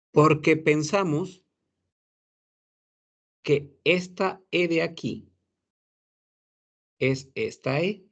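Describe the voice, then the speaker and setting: A man lecturing a class in a gravelly voice that sits a little high for a man. He explains slowly and says his example phrases aloud more than once. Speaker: French teacher for gastronomy students.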